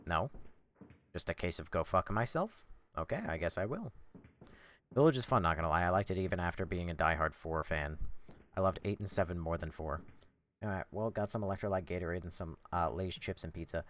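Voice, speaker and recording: A man streaming a video game, talking in a dry, monotone way with casual swearing while answering chat. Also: low voice, brisk. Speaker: gameplay streamer.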